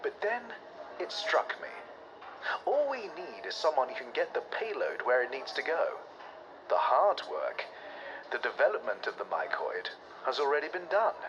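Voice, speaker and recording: Animated, scheming official played by a man. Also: medium pitch, normal speed, natural voice. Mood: cynical, scheming. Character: cynical, scheming male military official. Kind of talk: acted sci-fi game audio log. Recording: noisy radio-style audio log.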